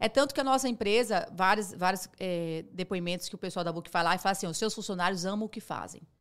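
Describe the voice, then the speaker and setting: At a very fast pace with hardly any pauses, a woman speaks at medium pitch with ordinary pitch variation in a very clean recording with a silent background. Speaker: entrepreneur and lawyer. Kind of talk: live podcast interview.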